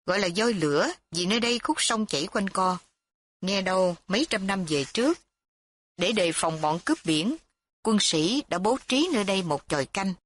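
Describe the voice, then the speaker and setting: A woman narrating a story with a steady, even reading. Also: medium pitch, moderate pace.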